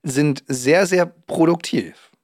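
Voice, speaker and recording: A man's voice: fairly high pitch, slow pace, darkish tone, dry recording, clean studio sound. A young man co-hosting a casual podcast, chatty and rambling, with lots of fillers and restarts. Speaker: podcast co-host. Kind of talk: casual chat.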